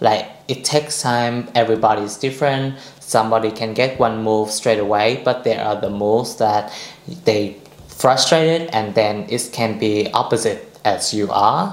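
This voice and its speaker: With a Vietnamese accent, a man speaks at a medium pitch and moderate pace with ordinary pitch variation, amid noticeable background noise and audible room echo. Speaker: pole dancer and instructor. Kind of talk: casual interview.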